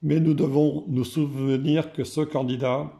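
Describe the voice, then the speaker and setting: A French man with a hoarse voice, reading tarot cards slowly and hesitantly, with many fillers. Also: a little high, fairly even intonation, mellow. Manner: slow and hesitant, frequent "euh" fillers. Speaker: tarot card reader. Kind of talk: casual explanation to camera.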